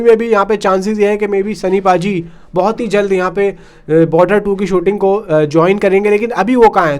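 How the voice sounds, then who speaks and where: A man with a distinctly high voice presents informal film news commentary. He talks in a chatty way, addressing his viewers directly as brothers and friends. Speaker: film news YouTube host.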